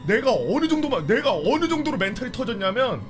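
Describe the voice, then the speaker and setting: A young man telling a funny story in a casual, animated way, often shouting and wailing as he acts out the scenes. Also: very high voice, brisk, over music. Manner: animated, shouts and wails while acting out scenes.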